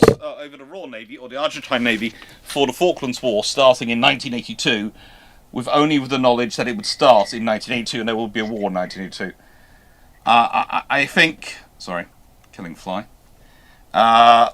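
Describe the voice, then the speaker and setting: A man with a middle-pitched voice hosts a casual live discussion. He talks haltingly, circling back over his phrases and rewording them as he goes. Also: fairly bright tone. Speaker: host of a live history question show.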